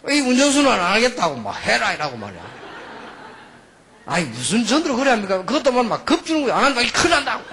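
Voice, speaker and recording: A middle-aged man preaching a sermon, telling stories and swinging between quiet asides and emphatic outbursts. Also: very high-pitched, very animated, quick pace. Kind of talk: sermon with anecdotes.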